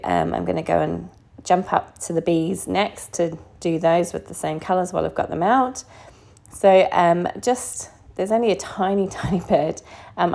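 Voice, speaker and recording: A woman with a croaky, under-the-weather voice narrates a casual craft tutorial in a chatty, slightly tentative manner. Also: lowish voice, a little mellow. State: croaky voice from being sick.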